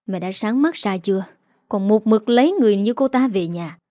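A woman's voice: mid-range voice, lively intonation, moderate pace, warm tone, no room sound, studio quality, natural voice. A woman voicing a young husband who is cold and reproachful, in an audio story.

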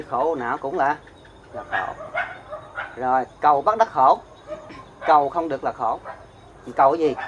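A man's voice: medium pitch, background noise. A man, a Buddhist monk, giving a dharma talk, questioning his listeners and explaining terms one by one. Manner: asks the audience questions and answers himself; explains terms step by step, recites verse.

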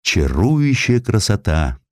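A man's voice: fairly low pitch, sing-song, slow pace, a little mellow, dry recording, studio quality, pitched above the performer's own voice. A man voicing a worldly Russian officer and explorer, educated and wry, in a storybook reading. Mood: enchanted.

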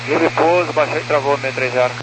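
Aviation radio, loud hum and noise, male voice, clipped procedural readbacks. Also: on the high side, fairly even intonation, a little fast. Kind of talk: radio callouts and readbacks in air traffic communication.

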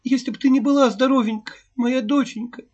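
A woman's voice: fairly low pitch, lively intonation, slow, pitched above the performer's own voice. A man voicing a distraught peasant mother who is sick and bitter, pleading and wailing. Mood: sobbing. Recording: dull lo-fi recording.

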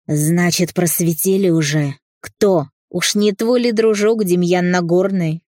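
A woman's voice: on the low side, measured pace, no room sound, studio quality, natural voice. A woman voicing a furious snarling father. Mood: contemptuous. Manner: snarling, shouting, threatening. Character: furious domineering middle-aged father, rich businessman. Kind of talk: audiobook character reading.

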